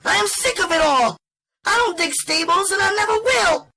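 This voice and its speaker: Casting: actress as young female street hustler, high voice, emphatic and streetwise, audiobook drama. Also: normal speed, crowd noise. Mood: furious, defiant. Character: young defiant female street prostitute, brash and pleading. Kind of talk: dramatized audiobook character acting.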